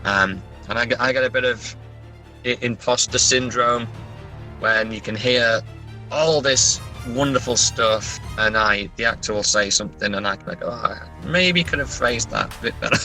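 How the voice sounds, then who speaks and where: A man's voice: mid-range voice, moderate pace, pushed and bright, faint music behind, poor audio. A man talking casually as a guest author in an interview, chatty and self-deprecating.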